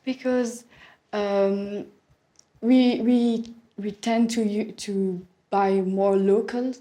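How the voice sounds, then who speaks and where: A woman's voice: mid-range voice, fairly even intonation, drawn-out words, mellow. A young woman from Belgium, hesitantly answering exam questions in simple English, searching for words. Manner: hesitant, searching for words, non-native phrasing. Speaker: English speaking test candidate.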